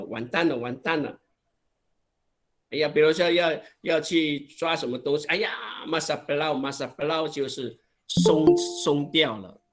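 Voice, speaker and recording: Over a video call, a fairly high-pitched man teaches a language lesson online in a Taiwanese Mandarin accent. He performs exclamations expressively, stretching them out.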